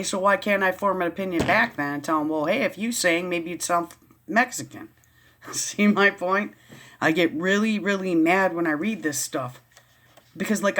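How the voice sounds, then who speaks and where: A woman's voice: on the low side, fairly bright tone. Woman vlogger, casual read-aloud with riled, rambling asides. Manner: rambling, easily riled, many restarts. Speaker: vlogger reading a Christian book aloud. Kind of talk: casual reading and commentary.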